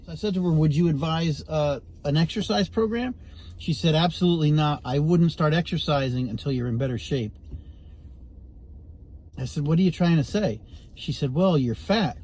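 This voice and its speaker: A man comedian telling jokes in a dry, quick storytelling manner, recorded in a car. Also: on the high side, a little mellow. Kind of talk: deadpan joke telling.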